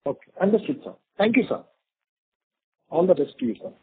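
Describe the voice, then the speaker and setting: A man with an Indian accent calls in as an investor, his husky voice set slightly high. He asks in a deferential, halting way over a rough, narrow phone line. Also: lively intonation. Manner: deferential, halting, repeats "you know". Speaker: investor caller asking questions. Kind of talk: earnings call question.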